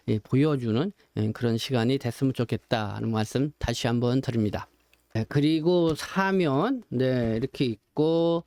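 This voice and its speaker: A man's voice: mid-range voice, dark tone, dry recording, clean studio sound. A man presenting his newspaper's contents in an informal, explanatory way, talking directly to viewers in a discursive spoken rundown.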